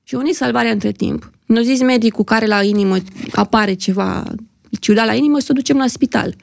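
A young woman with a slightly high, gravelly voice recounts a personal story as a podcast guest. She tells it vividly and with drama, slipping into the voices of the people involved, and the close, dry studio microphone picks up every rasp. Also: no room sound. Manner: vivid, dramatic retelling, acting out what others said. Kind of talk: emotional personal storytelling in conversation.

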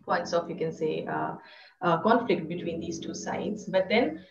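A woman's voice: on the low side, a little slow, vocal fry. Woman talking through a roomy video call. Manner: thoughtful, many fillers like "you know". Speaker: lecturer. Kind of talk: academic discussion on a video call. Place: room indoors. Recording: echoey, distant, muffled video call audio.

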